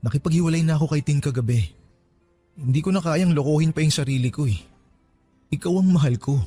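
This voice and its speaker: A man's voice: on the high side, quick pace, warm tone, faint music behind, close to an everyday voice. A man playing an earnest, lovestruck young suitor in a radio romance drama, pleading insistently.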